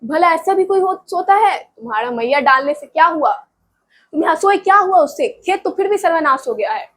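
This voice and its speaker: A sharp-tongued village farmer's wife, put on by a woman reading a story aloud. She scolds in a high, raised voice that sits well above the reader's own. Her tone stays nagging and pushy. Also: animated, moderate pace. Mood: scolding.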